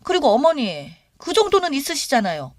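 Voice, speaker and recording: A woman's voice: sits high, huge pitch swings, fairly quick, no echo, clean studio sound, pitched above the performer's own voice. A woman voicing a young, demanding daughter-in-law who talks in a pushy, complaining way. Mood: indignant.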